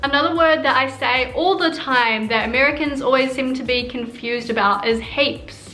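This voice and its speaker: A raised, projected voice with a New Zealand accent, moving at a moderate pace with ordinary pitch variation. Noticeable background noise is present. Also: woman. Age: 20s. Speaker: YouTuber. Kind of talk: casual talk to camera. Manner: upbeat, chatty.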